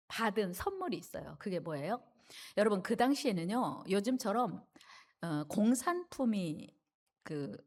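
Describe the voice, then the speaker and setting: A woman pastor preaching a sermon in a church, telling a parable vividly and leading the congregation in reading. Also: on the high side. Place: church sanctuary.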